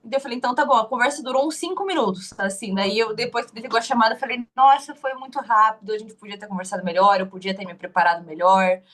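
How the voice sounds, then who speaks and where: A woman's voice: mid-range voice, racing, hardly any pauses, a bit bright. A young woman with a Curitiba Brazilian Portuguese accent, telling her interview story casually, hesitant with many restarts.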